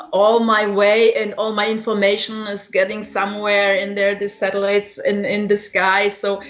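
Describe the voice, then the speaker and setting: A woman with a German accent, a holistic practitioner giving thoughtful, halting examples in a spiritual conversation. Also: mid-range voice. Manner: thoughtful, halting, many restarts.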